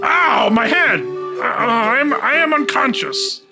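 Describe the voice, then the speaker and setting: A man voicing a loud, raging orc in a comic fantasy skit, dramatic and shouting. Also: very high-pitched, lively intonation, slow, vocal fry, over loud music, pitched above the performer's own voice, heavily acted. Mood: dazed. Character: raging orc, loud, whiny over a stolen hammock.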